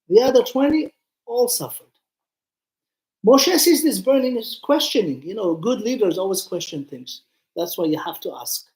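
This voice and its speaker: A man's voice: high-pitched, darkish tone, reverberant, low-quality recording. A man, a rabbi, giving an informal Torah lesson, retelling stories with acted-out dialogue and putting questions to his listeners. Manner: conversational, acts out dialogue, puts questions to listeners.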